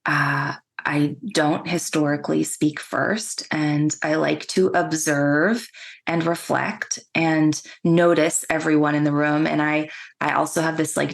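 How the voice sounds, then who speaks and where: A woman podcast host with a very soft voice, speaking slowly and pausing between thoughts in a casual interview. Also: sits low, creaky.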